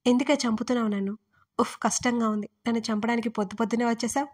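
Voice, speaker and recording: A woman's voice: fairly high pitch, steady tone, quick pace, close to an everyday voice. A woman voicing a bossy, possessive young man who teases and threatens in an audio story. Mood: teasing. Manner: teasing, then threatening.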